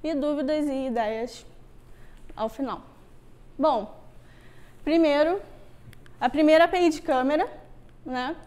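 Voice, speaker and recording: A young woman with a carioca Brazilian accent from Rio de Janeiro speaks slowly and pauses often, her high voice darkish. As an Android developer and meetup speaker, she gives a casual tech talk on stage before a screen in a meetup room with a wooden floor.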